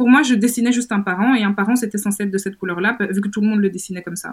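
Over music in the background, a woman speaks at a very fast pace with fairly even intonation. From Belgium, Brussels. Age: 30s. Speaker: event organizer. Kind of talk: casual chat. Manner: halting.

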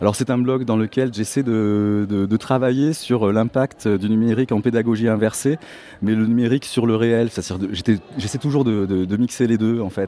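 A man's medium-pitched voice keeps fairly even intonation as he talks at a moderate pace. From Périgord, France. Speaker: music teacher. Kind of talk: interview. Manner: halting.

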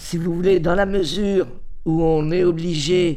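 A man with a high pitch at a very slow pace. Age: 80s+. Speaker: retiree interviewee. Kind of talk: interview.

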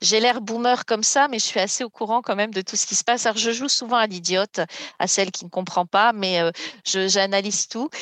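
A woman talks at a fairly quick pace in an unremarkable speaking voice of medium pitch, with ordinary pitch variation and a dry, close sound with no echo. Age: 50s. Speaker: public speaker and job-search trainer. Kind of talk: podcast interview.

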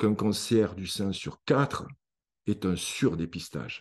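A man speaks at a fairly low pitch with ordinary pitch variation. He goes at a fairly slow pace against a quiet background. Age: 50s. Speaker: author. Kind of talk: interview. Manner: halting, many repetitions.

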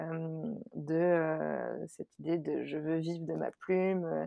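The sound here is dry and close, without any echo. The speaker is a woman. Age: 20s. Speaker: freelance copywriter. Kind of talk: casual interview.

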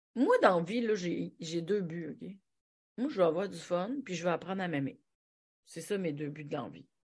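A woman's fairly low, somewhat breathy voice in a Quebec accent, at a moderate pace, with big swings in loudness and long, frequent pauses. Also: lively intonation. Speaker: comedian. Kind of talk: casual chat.

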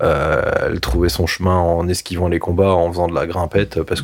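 Through noticeable background noise, a man talks at a fairly quick pace with a very deep, low pitch. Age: 30s. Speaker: video game podcast panelist. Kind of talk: casual chat.

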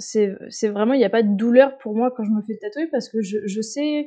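Against a quiet background, a woman speaks at a fairly slow pace. Her pitch is fairly high and her tone dark and mellow. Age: 20s. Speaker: school education counselor. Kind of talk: casual interview.

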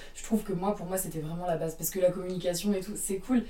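A woman at a medium pitch talks at a very fast pace with fairly even intonation over noticeable background noise. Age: 20s. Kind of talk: casual chat.

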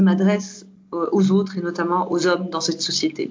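Somewhat breathy speech from a woman, delivered fairly slowly. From Lebanon, Beirut. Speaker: visual artist. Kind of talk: interview. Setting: video call. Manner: halting, frequent fillers and repetitions. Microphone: remote call audio quality.

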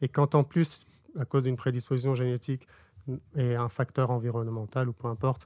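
Over a silent background in a very clean, dry, close recording with no echo, a man talks at a fairly quick pace in a monotone, flat intonation. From Burkina Faso. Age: 30s. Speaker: dermatologist and immunology PhD student. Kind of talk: casual interview.

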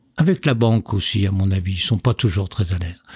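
Somewhat breathy and fairly low, a man's voice is captured in a very clean recording with a silent background and a dry, close sound with no echo. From Jura, eastern France. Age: 60s. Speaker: retired insurance broker. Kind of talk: interview. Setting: wooden chalet by a lake. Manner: halting.

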